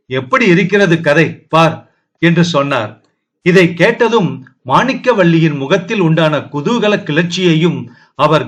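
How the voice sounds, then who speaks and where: A man narrates a historical novel for an audiobook, steady and dramatic in his storytelling. His voice sits somewhat high for a man.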